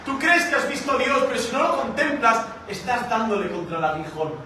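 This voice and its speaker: A man delivers a sermon as pastor, his voice high and bright. He preaches in a theatrical, animated way. He is recorded from far off in a very echoey church hall with faint background noise. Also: a little fast. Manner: animated, theatrical, with sound effects and acted-out voices.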